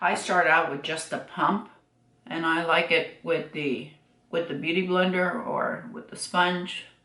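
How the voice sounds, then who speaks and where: Amid audible room echo, a woman talks at a fairly slow pace with a fairly low pitch and ordinary pitch variation. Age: 60s. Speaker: beauty vlogger. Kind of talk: makeup tutorial. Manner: casual, halting with repetitions.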